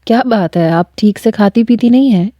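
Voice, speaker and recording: A woman's voice: medium pitch, dark tone, no echo, dull audio, lightly acted. A woman reading an earnest young man. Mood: concerned. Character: young man, caring brother-in-law, earnest.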